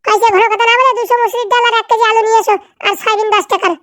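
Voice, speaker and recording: A performer voicing a nagging, sharp-tongued village housewife in a comedy cartoon, scolding and sarcastic. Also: extremely high pitch, steady tone, no echo, clean studio sound. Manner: scolding, sarcastic, rapid-fire complaining.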